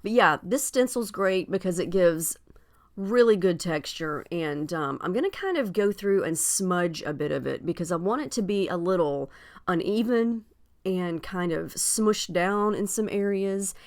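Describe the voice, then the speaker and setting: A woman's voice: fairly low pitch, expressive, unhurried. A woman hosting a casual crafting tutorial, chatty and friendly with frequent ums, her voice a little scratchy after being ill. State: slightly scratchy voice after illness. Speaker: scrapbooking video host.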